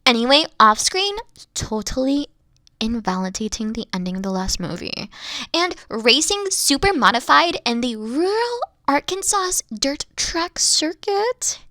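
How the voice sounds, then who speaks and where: A woman playing a haughty but secretly soft, dorky evil queen in a roleplay audio, pompous, theatrical and easily flustered. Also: high voice, big pitch swings, measured pace, no room sound, clean studio sound, full character voice. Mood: playful, imperious. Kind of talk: playful roleplay audio acting.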